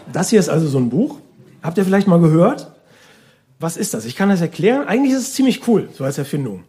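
A man's voice: fairly high pitch, a little mellow, slightly rough. A male comedian performing a live monologue in a wry, colloquial and theatrical way. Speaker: stand-up comedian and slam poet. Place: live stage before an audience. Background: audience laughter.

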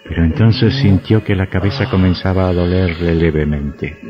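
A man narrating a radio drama in a measured, suspenseful way. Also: low-pitched. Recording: dull lo-fi audio with faint music.

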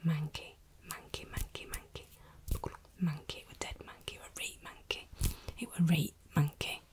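A woman with a Yorkshire accent speaks almost entirely in a breathy whisper, her voice sitting low. She repeats words slowly and gently, one after another, in a calm ASMR manner. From Yorkshire, England. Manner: soft repetitive whispering of single words.

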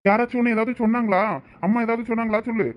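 A man's voice: very high-pitched, level tone, very fast. A man acting as a caring young husband in a village comedy-drama, coaxing and teasing his wife affectionately. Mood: worried. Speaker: actor in a village family skit.

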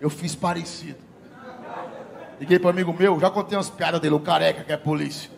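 A middle-aged man doing a stand-up comedy routine on stage, profane and animated, talking straight to the live audience. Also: a little high, fairly quick, vocal fry.

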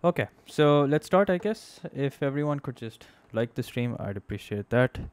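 Here the young male maths teacher, Pakistani-accented and live-streaming from a desk in a small room, has a mid-range, darkish voice with lively intonation at a normal speed. His tone is clear and resonant with no room sound, captured on a close boom-arm mic. He is conversational, checks in with "okay?", and mixes English with Urdu.

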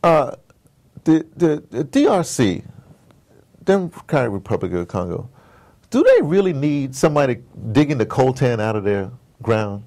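Mid-range and moderately paced, a male interview guest talks politics with passion and informality. He acts out dialogue in animated, emphatic stories and sprinkles in slang and rhetorical questions.

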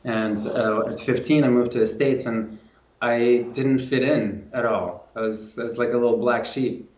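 A man's voice: mid-range voice, steady tone, moderate pace, darkish tone. Brief: reflective man, 40s, video call from a roomy home room, sound a bit dull. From Lithuania. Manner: reflective, many restarts and repeats. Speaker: guest, movement and strength coach. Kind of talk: casual interview talk. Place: home room with plants and guitar, indoors. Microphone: video call, camera at a distance.

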